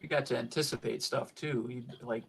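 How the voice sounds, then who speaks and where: Flat-voiced man in his fifties. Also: mid-range voice, fairly quick, vocal fry, a little hiss or hum. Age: 50s. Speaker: podcast co-host. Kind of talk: casual storytelling chat.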